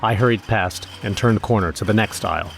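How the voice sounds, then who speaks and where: Casting: wry, nervous everyman narrator, lowish voice, scripted horror audio drama storytelling. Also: quick pace, creaky, soft background music. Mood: wry, uneasy.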